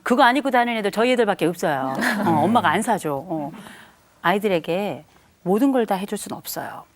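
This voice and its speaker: A middle-aged woman giving a lively lecture on family life, chatty and animated, slowing down to stress her key sayings. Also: medium pitch. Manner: animated, acts out quoted speech, chatty asides; slows down for key maxims.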